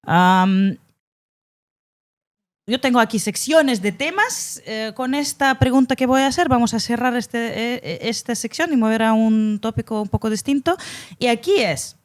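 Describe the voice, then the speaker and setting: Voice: mid-range voice, moderate pace. A podcast host who lives in Barcelona after coming from abroad, asking questions at a hesitant, searching pace. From abroad, living in Barcelona. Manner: hesitant, with many fillers and restarts while framing questions.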